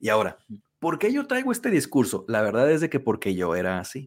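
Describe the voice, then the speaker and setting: In a very clean recording with a silent background, a man talks with a Mexican accent. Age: 30s. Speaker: musician. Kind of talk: casual chat.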